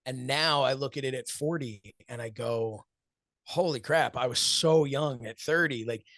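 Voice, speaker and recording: Man, 40s, gravelly voice, dry close mic; reflective interview guest, storyteller, laughs easily. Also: medium pitch, measured pace, a bit bright, no echo. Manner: earnest, storytelling, acts out quoted friends, laughs often. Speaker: wrestling commentator and show host, interview guest.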